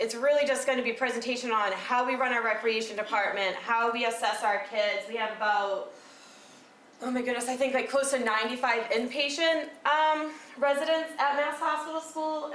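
A woman in her thirties giving a casual talk as a recreational therapist, loud-voiced and chatty with lots of fillers. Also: on the high side, slight background noise, poor audio. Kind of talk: casual talk to a small audience. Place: room with a presentation screen.

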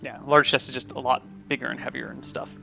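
An American man running a livestreamed tabletop game as game master, relaxed and chatty, thinking aloud with plenty of ums. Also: mid-range voice, fast talker, vocal fry, music in the background. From United States.

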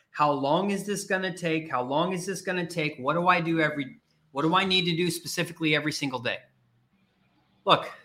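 A man's voice: fairly high pitch, pushed and bright. A man speaking as a career coach in a blunt, emphatic motivational talk, repeating his points.

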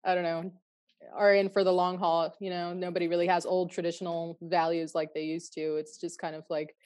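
Host, female, 30s, lower voice, relaxed chatty delivery with casual swearing. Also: a little fast. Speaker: podcast host. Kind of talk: casual interview chat.

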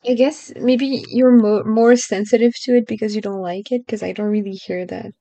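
A woman's voice: mid-range voice, fairly even intonation, moderate pace, warm tone, no room sound. A woman co-hosting a music podcast in casual chat, often hesitant and correcting herself, giggling between thoughts. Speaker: podcast co-host.

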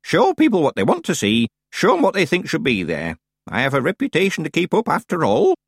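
Storybook old witch played by a man: high, wildly animated pitch, proud and sly, old-fashioned genteel manner. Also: a little fast, dry recording, studio quality, heavily acted. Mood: pleased, wry. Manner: crisp, dramatic, old-fashioned genteel phrasing. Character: old woman witch, sly, proud, theatrical, kindly stern. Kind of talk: audiobook character voice.

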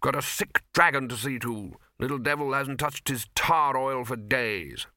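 A man's voice: mid-range voice, a little slow, pushed and bright, no room sound, studio quality. A man voicing a bossy, blustering old wizard in a comic fantasy storybook, with blunt, clipped, hectoring delivery. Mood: blunt, brisk. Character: gruff, blustering, bossy old male wizard Arch-Chancellor.

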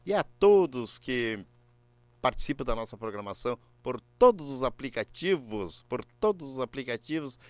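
A man with a Rio Grande do Sul gaúcho accent hosting a regional radio show, signing off with folksy, rambling greetings and shout-outs to listeners. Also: mid-range voice, sing-song, moderate pace, no echo. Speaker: radio host.

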